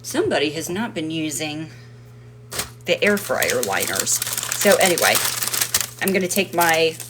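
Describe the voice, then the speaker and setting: Woman, cooking video host, lowish voice, chatty, rambling, playful rhymes, noisy home kitchen recording. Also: sing-song, a little slow. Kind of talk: casual cooking demonstration.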